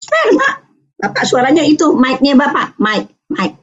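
At a moderate pace and a somewhat high pitch, a woman from Aceh, Indonesia recounts a personal story during a parenting seminar held as an online video call. She is animated, performs the voices she quotes, and becomes tearful at moments, all captured in muffled, low-fidelity meeting audio.

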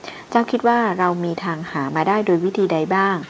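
A woman reading as a calm expedition leader. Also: medium pitch, a little fast, a little hiss or hum, voice pushed up, lightly acted, low-quality recording.

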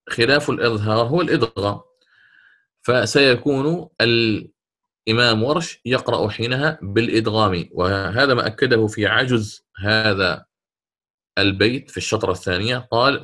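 A man's voice: mid-range voice, fairly bright tone. A man teaching a class on Quran recitation rules, questioning his students and explaining each rule step by step.

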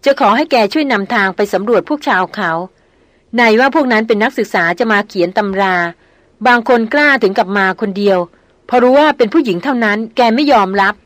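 A woman's voice: a little high, lively intonation, fairly quick, no room sound, lightly acted. A woman voicing an old male jungle hunter and loyal servant who tells gossip politely and deferentially in an audiobook. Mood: gossipy. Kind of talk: audiobook character reading.

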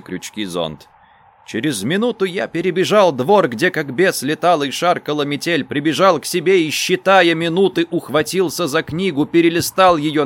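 A man reading a first-person story aloud in a subdued, low-key manner. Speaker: narrator. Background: faint music.

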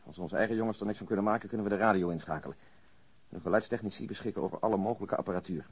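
Fast-talking, husky police detective. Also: male voice, on the low side. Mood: explaining. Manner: matter-of-fact, explanatory. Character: male police detective, matter-of-fact, defends his findings. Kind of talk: Dutch radio drama dialogue.

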